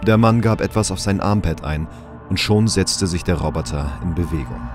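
A man narrating a scripted audio drama in a measured storytelling manner. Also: low voice, music in the background.

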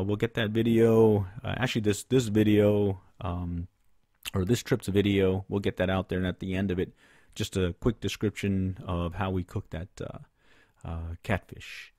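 A man's voice: fairly low pitch, steady tone, moderate pace, darkish tone, no echo. A middle-aged man hosting a fishing podcast, recapping a trip in a rambling way with many fillers and restarts, close to a studio microphone. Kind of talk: casual solo podcast recap. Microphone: studio condenser mic on stand, close.

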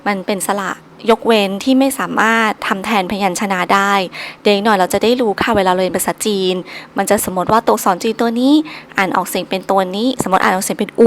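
A woman's voice: mid-range voice, a little hiss or hum. A woman teaching a solo recorded language lesson, patiently drilling each syllable three times over.

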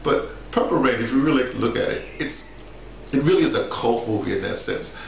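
A middle-aged man chatting casually and unscripted, rambling and halting as he thinks aloud and shares personal memories and opinions. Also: mid-range voice, expressive, creaky. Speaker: music commentator sharing personal memories. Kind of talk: casual spoken reminiscence, unscripted personal commentary. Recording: roomy echo, faint background noise.

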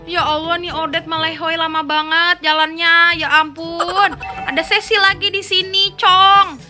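At home, a young woman plays a mobile game and gives excitable, casual commentary, swearing and chatting both to herself and to her viewers. Her voice is extremely high-pitched and her pace measured, with music playing in the background.

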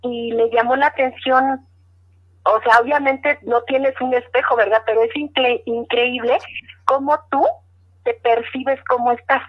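A woman's voice: on the high side, fairly even intonation, measured pace. A middle-aged woman, earnestly telling a personal story in an interview, repeating words as she recalls it. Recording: dull lo-fi audio.

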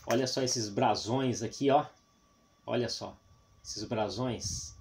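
A man's voice: mid-range voice, takes it slowly. A man from in Brazil, chattily narrating a casual exploration vlog to his viewers on a handheld camera. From Paraná, Brazil. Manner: chatty, addresses viewers, frequent tag questions. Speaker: vlog host. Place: abandoned roofless house and overgrown grounds. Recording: noisy handheld outdoor camera recording.

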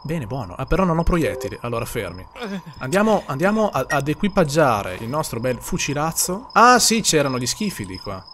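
A man's voice: mid-range voice, very animated, moderate pace, a bit bright, slight background noise. Jumpy man streaming horror. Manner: jittery, swearing, talks to chat. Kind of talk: horror game let's play.

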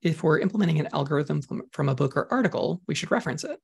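A man presenting a programming webinar over slides, talking in a measured way with frequent ums while he is losing his voice. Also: a little high, expressive, vocal fry, slightly rough. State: losing his voice, clearing throat.

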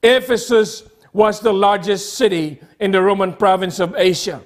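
A middle-aged man preaching a sermon as a pastor, speaking deliberately in short, emphatic phrases with repetition. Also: sits high. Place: church sanctuary, at a pulpit.

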